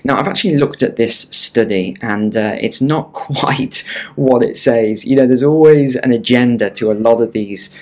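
A man's voice: mid-range voice, normal speed, darkish tone. A man presenting chatty, wry news commentary in a casual conversational way, recorded in a small room. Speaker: online video presenter. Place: small room in a beach bungalow.

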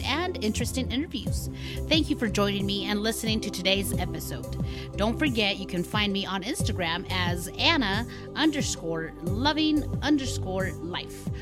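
A woman hosting her own podcast, talking casually with many fillers while congested from a cold. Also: fairly high pitch. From United States. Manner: chatty, rambling with many fillers. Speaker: podcast host. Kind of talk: casual solo podcast monologue.

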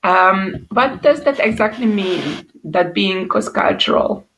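Woman, Hungarian accent, podcast host, gravelly fry, casual, rambling. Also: mid-range voice, animated, slow, a bit bright, low-quality recording. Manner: chatty, thinks aloud. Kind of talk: casual interview chat.

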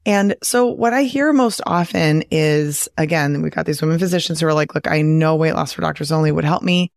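A woman with a raspy, hoarse voice from a recent virus, hosting a podcast in a chatty, encouraging way with frequent laughs. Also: deep voice, fairly quick, no room sound, studio quality. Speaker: podcast host and weight loss coach. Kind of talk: casual podcast monologue.

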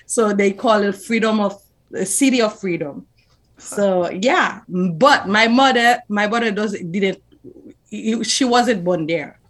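A woman talks as a podcast guest. She speaks haltingly in simple sentences, often with a shy laugh. Her pitch sits in an ordinary middle range. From Haiti. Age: 30s. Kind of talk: casual podcast interview.

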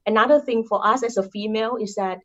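A woman's voice: a little high, fast talker, a bit bright. Woman, thai accent, earnest advice-giving guest, dull lo-fi recording. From Thailand. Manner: earnest, repeats points with tag questions. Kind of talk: interview, sharing career advice.

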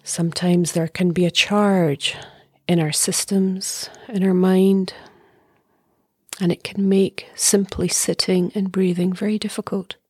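A middle-aged woman leading a guided meditation as a teacher, speaking softly and breathily in a calm, gentle way with long pauses. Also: fairly low pitch, no room sound, studio quality. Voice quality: soft, breathy.

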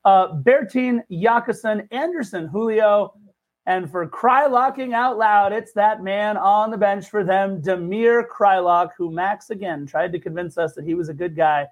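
Wisecracking high-voiced man on a podcast. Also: unhurried. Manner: wisecracking, teasing. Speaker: podcast co-host. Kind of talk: casual sports podcast chat.

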